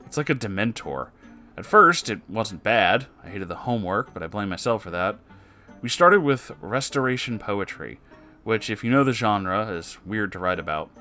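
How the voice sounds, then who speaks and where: A man reading submitted stories aloud in a casual way, breaking in with animated, sarcastic and often sweary commentary. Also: lowish voice. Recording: music behind the voice. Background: music.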